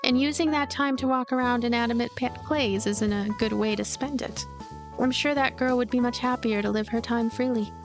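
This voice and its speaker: A woman's voice: fairly high pitch, brisk, music in the background. A woman doing a voiced let's play, narrating a story game aloud with casual commentary. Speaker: let's player reading game text aloud.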